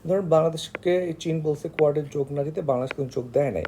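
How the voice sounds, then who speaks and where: A man with a Bangladeshi accent giving an informal explanatory lecture as an online tutor, halting often with hesitations and filler phrases. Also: fairly high pitch, mellow, a little hiss or hum. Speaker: online tutor for job exam candidates.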